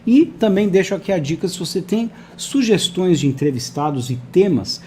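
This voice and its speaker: A man's voice: high voice, expressive, moderate pace, dark tone, slight background noise. Friendly male host on a video call. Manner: friendly, chatty, asks viewers to engage. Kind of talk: live online interview.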